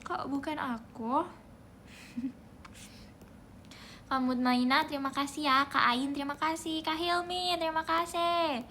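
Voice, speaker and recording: A young woman streaming live, chatting playfully in a soft voice, humming bits of songs and thanking viewers by name. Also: high voice, fairly even intonation, moderate pace, slight background noise. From Indonesia. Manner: playful, soft-spoken, sings snippets and reads out gifter names. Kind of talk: casual livestream chat.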